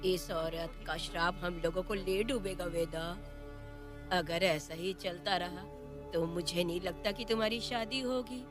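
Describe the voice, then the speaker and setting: A woman's voice: fairly low pitch, fairly even intonation, measured pace, over music, close to an everyday voice. A woman dubbing a fierce village woman who defends her family's son, in a Hindi film dub. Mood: reproachful. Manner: combative, protective.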